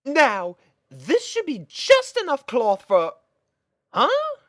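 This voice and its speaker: A woman's voice: sits high, wildly swooping pitch, takes it slowly, a bit bright, in a large hall, pitched above the performer's own voice, exaggerated voice. A woman voicing a haughty, theatrical female pony dressmaker who speaks in grand indignation. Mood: busy.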